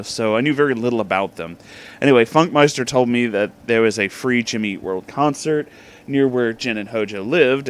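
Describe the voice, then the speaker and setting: A man hosting an informal read-aloud, speaking in a conversational, slightly halting way with casual asides. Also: mid-range voice. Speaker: host reading online stories aloud.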